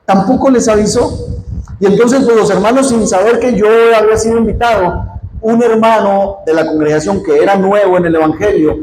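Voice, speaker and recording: A man's voice: high-pitched, fairly quick, roomy sound, a little hiss or hum, low-quality recording. A man preaching a sermon in a church, telling a story and acting out the people in it. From Mexico. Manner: animated storytelling, acting out quoted dialogue; addresses the congregation often as "hermano". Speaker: pastor. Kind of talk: sermon with personal anecdote.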